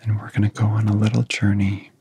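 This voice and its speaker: A man guiding a relaxation in soft-spoken ASMR style, with a soft, whispery voice and gentle, soothing phrasing broken by long pauses. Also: on the low side, monotone, no echo. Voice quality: soft, breathy, often whispery. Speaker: ASMR hypnosis guide.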